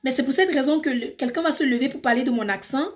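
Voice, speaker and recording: High-voiced Cameroonian woman, impassioned. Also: fast talker. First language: English. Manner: impassioned, switches between French and English. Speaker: YouTuber. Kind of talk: casual vlog rant. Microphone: phone.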